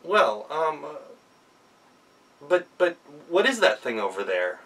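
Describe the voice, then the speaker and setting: A man storyteller acts out a foolish huntsman from a folktale. He is hesitant and stammers along in a raised, lively voice, always stalling, a bit distant from the mic. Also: on the high side, full character voice. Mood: innocently puzzled. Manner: halting, stammering, full of hesitations.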